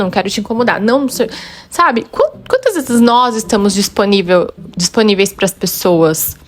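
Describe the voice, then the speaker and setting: Brazilian woman, podcast host, mid-pitched, chatty storyteller turning earnest and encouraging, faint music bed. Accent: Brazilian Portuguese. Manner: chatty, retells scenes with quoted dialogue; earnest, encouraging, speaks to listeners directly. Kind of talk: personal storytelling and motivational monologue.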